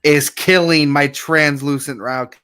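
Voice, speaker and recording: A man's voice: a little high, fairly even intonation, slow pace, bright, forceful tone, clean tone. A man co-hosting a stream, chatting in a dry, teasing way. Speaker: co-host. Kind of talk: casual chat.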